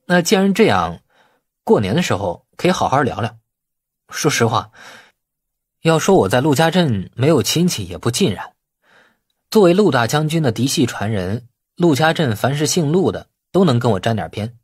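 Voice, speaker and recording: A man's voice: medium pitch, very animated, moderate pace, slightly rough, dry recording, clean studio sound. A man voicing a shrewd, affable young businessman in an audiobook, polite and a little sheepish. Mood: polite, tactful.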